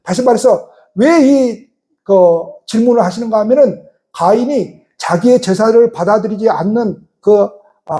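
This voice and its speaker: A middle-aged male pastor preaches in a high but dark, mellow voice. He keeps it conversational, firing rhetorical questions at the congregation and voicing people's grumbling thoughts. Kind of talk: sermon.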